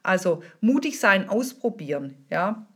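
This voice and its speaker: A woman's voice: medium pitch, lively intonation, a little slow, fairly bright tone. A middle-aged woman hosting a podcast as a style consultant, explaining in a chatty, informal way with many fillers and restarts. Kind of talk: casual explanatory podcast talk.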